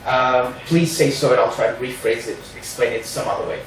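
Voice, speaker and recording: Briskly and in a steady, fairly bright, medium-pitched voice, a Portuguese man introduces a reading group at a meeting. English isn't his first language, his Portuguese accent is clear, and he hedges carefully with many "sort of" fillers. The mic is far off in a very echoey room, with a little hiss or hum.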